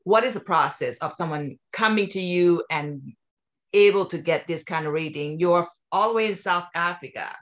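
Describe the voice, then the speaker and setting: A woman's voice: fairly low pitch, moderate pace, a bit bright. A woman from Thailand hosting a casual interview over a video call, effusive and emphatic in how she talks. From born in Thailand. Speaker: interview host.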